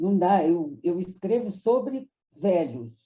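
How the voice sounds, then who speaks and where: A woman's very slow, fairly low-pitched voice with a dark, mellow tone and lively intonation. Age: 90s. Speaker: playwright. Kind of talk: casual chat. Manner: halting.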